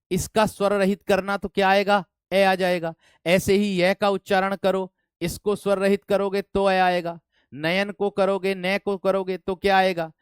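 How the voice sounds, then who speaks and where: A young man leads an online exam-prep lesson in a crisp, slightly high voice. He repeats his points and keeps checking that students follow, pushing his voice up as he drives home each example. The sound is close and dry. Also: no echo. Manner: repetitive, coaxing, keeps asking students if they understood; emphatic, voice rises when checking examples. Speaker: Hindi teacher for exam preparation. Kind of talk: online class lecture.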